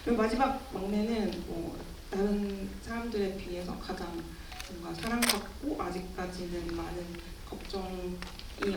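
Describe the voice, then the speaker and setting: A woman director talks haltingly at a festival screening Q&A, pausing to find her words. The sound is distant and echoing, with noise in the hall. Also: medium pitch. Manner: hesitant, thinks aloud with fillers. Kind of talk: festival Q&A talk. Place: cinema auditorium at a film festival. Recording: echoey hall from far off, noisy.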